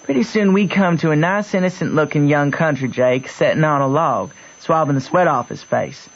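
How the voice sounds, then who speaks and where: A man's voice: a little high, moderate pace. An actor playing a wry, plain-spoken country boy who narrates his adventures in folksy dialect for a radio drama. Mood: dry, observant. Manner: folksy ungrammatical drawl, matter-of-fact. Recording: muffled old radio recording.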